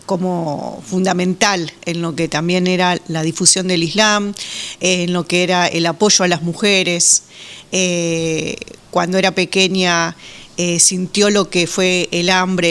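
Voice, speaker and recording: A woman from Uruguay, raised in Argentina, with a Rioplatense accent, answering radio interview questions calmly and explaining her views with many hesitant fillers. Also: fairly low pitch, slow, clear, resonant tone. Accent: Rioplatense Spanish. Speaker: guest, Muslim women's association representative.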